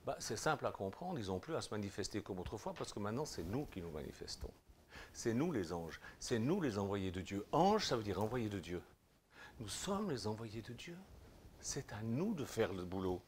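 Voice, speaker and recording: A man with a Swiss French accent preaching a sermon, exhorting listeners directly with informal address, swinging between loud declarations and quiet asides. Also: fairly low pitch, big pitch swings, normal speed, a little hiss or hum. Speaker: pastor.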